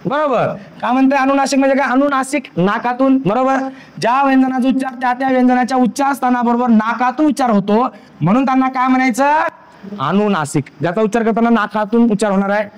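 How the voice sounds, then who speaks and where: High-voiced man teaching a grammar lesson. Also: clear, resonant tone. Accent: Marathi. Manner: drills by asking questions and answering them himself; spells out sounds slowly one by one.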